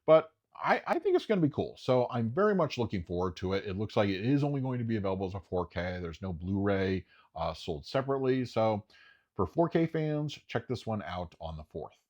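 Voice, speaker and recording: Man, lowish voice, casual solo commentator, enthusiastic, chatty with fillers. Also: very animated, brisk, a little mellow, lo-fi sound. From United States. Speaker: home video reviewer.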